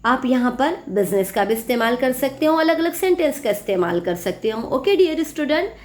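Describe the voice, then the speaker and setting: A woman teacher explaining a school English lesson, reading English phrases slowly and explaining faster in her own language, often repeating phrases for pupils. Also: high voice, sing-song, darkish tone. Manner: switches between slow, drawn-out English and quicker Urdu explanation.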